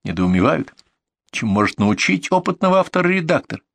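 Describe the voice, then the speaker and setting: A man reading nonfiction essays aloud as an audiobook narrator, in a measured, deliberate manner that slows down for lists and examples. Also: fairly high pitch, sing-song, vocal fry, fairly bright tone, no room sound.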